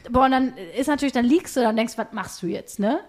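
A woman's voice: fairly high pitch, fast, crowd noise. A young woman co-hosting a podcast, casually telling personal stories in colloquial language. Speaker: podcast host. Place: recorded at a home.

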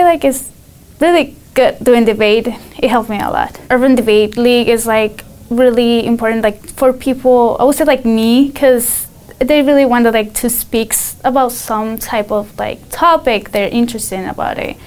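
Teen girl from Mexico, clear voice. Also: on the high side, normal speed, a little mellow. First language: Spanish. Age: teens. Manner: hesitant, many "like" fillers. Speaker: student debater. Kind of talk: casual interview answers.

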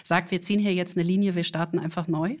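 Low-pitched woman hosting a business podcast. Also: steady tone, fast talker, darkish tone. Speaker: podcast host, business journalist. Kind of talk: scripted podcast introduction and interview.

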